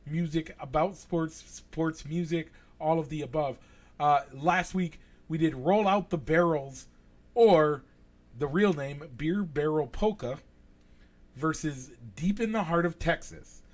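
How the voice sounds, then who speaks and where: A man hosting a casual sports podcast, upbeat and energetic, his voice a little raspy from allergies. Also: a little high, slow. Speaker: podcast host.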